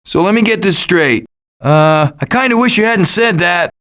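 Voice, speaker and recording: High-voiced cocky raccoon schemer RJ. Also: male voice, lively intonation, normal speed, a bit bright. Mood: glib, sarcastic. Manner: sarcastic, glib, quippy. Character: wisecracking raccoon schemer, cocky male leader of foraging animals. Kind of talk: animated video game voice lines.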